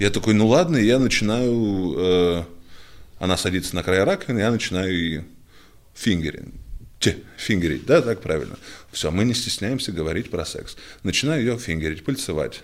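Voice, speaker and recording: At a moderate pace, a man with a fairly low pitch uses lively intonation. He takes long, frequent pauses. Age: 30s. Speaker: stand-up comedian. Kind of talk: casual chat.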